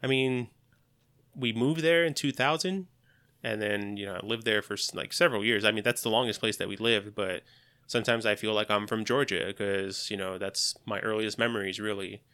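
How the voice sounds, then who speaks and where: A man's voice: fairly low pitch, fairly even intonation, normal speed, sharp tone, clear, resonant tone. A man in his thirties, a podcast guest, talking in a laid-back, joking way with lots of hesitant fillers. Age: 30s. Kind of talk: casual podcast conversation.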